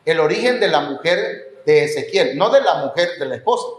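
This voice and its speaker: Mexican guy preaching in an echoey church, pretty high voice, gets emphatic and jokes now and then. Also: expressive, normal speed. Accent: Mexican Spanish. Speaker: pastor. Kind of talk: sermon. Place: church hall.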